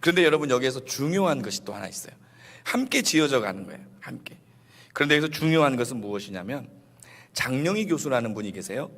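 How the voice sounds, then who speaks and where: A male pastor preaching a Sunday sermon in an animated way, acting out the quotes he tells. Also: medium pitch, quick pace. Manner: animated, acts out quotes with shifting voices. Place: church sanctuary. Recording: long church reverb.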